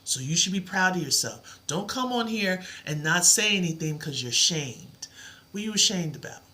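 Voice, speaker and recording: A woman's voice: lowish voice, lively intonation, normal speed, bright, forceful tone. A middle-aged woman teaching a live math lesson, with a soothing voice and an encouraging, reassuring way of talking. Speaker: math tutor.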